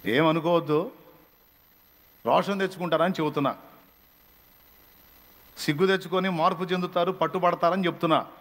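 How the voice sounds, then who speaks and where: A man's voice: a little high, steady tone, moderate pace, pauses often, fairly bright tone. A man preaching a fiery Telugu sermon as a pastor, scolding his listeners with repeated emphatic phrases. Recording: long hall reverb.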